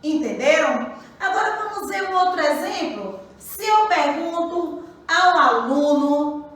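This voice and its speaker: A woman's voice: extremely high pitch, expressive, fairly bright tone, very echoey, distant mic, rough recording. A woman teaching a grammar lesson to children, patient, often checking in with her pupils. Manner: slow, patient, repeats questions to pupils. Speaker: primary school teacher.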